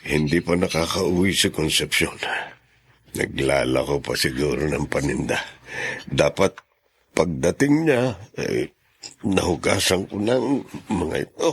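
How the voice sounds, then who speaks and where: A man's voice: very deep voice, lively intonation, a little slow, pauses often, slight background noise. A man with a Filipino accent playing a meek, apologetic disabled father in a radio drama, speaking hesitantly. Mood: weary, resolute.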